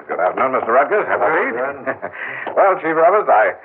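An actor playing a polite, mild-mannered scientist who stammers and gets flustered, in a 1940s-style radio drama. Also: male voice, mid-range voice, huge pitch swings, moderate pace, slightly rough, full character voice. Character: mild-mannered male scientist doctor, eager and easily flustered. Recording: tinny old radio recording.

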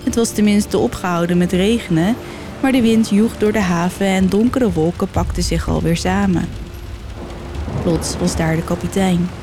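A woman narrating a legend as a storyteller, reading in a measured, dramatic way. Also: fairly low pitch, fairly even intonation, music in the background. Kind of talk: scripted narration.

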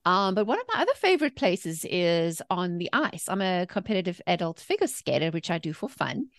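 Woman, forties, South African accent, slightly low voice, emphatic conversational storytelling, dry close sound. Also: very animated, brisk, no room sound. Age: 40s. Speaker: podcast guest, mindset coach and author.

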